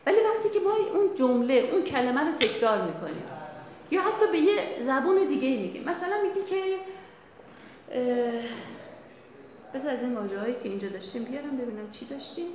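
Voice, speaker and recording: A woman psychologist leading a workshop, explaining in a lively, chatty way to the audience. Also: high voice, muffled recording. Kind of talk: workshop lecture. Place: workshop room. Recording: very echoey room.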